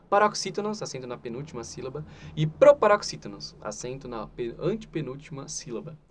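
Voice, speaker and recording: A man with a Brazilian Portuguese accent giving a grammar lesson in an explanatory way, often adding "né?" and leaning hard on key terms. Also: medium pitch. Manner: explanatory, with frequent "né?" asides and spoken emphasis. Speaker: teacher.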